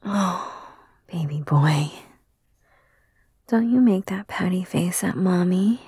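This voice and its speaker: A woman whispers in a soft, soothing ASMR roleplay, close to the microphone. Her voice is low, breathy and mellow, and she takes her time over every word. The sound is dry and intimate. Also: slow, dry recording.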